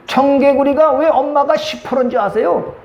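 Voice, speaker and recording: A male pastor preaching a Sunday sermon in a lively way, acting out little dialogues. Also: very high voice, normal speed, creaky, reverberant, muffled recording. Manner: lively, acts out quoted dialogue. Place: church sanctuary.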